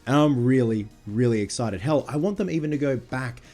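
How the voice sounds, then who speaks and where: A man in his thirties talking casually to camera, with a husky, congested voice from a sinus infection. He sounds excitable and swears casually. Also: medium pitch, a little fast, soft background music. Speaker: movie vlogger.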